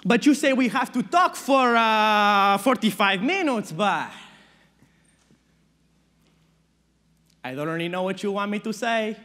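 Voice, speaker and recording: Nervous chuckly latino dad, high voice, spanish accent, broken english, devoted to his son, big echoey hall. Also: lively intonation, moderate pace, bright, forceful tone. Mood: awkward, nervous. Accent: Latin American Spanish. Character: grieving Latino immigrant father, nervously cheerful, devoted to son. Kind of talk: dramatic monologue performed on stage. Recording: reverberant hall at a speech tournament.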